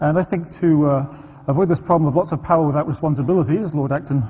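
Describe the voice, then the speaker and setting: Talking at a very fast pace, a man uses a fairly high pitch with a dark, mellow tone, a somewhat breathy quality and ordinary pitch variation. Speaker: futurist and philosopher speaker. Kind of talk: conference talk. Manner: hesitant with fillers.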